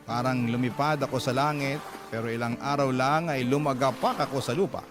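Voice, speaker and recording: A man's voice: mid-range voice, brisk, music in the background, natural voice. A man voicing a vain, witty older gay man telling his life story in campy slang as a radio letter drama. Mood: wistful, dramatic.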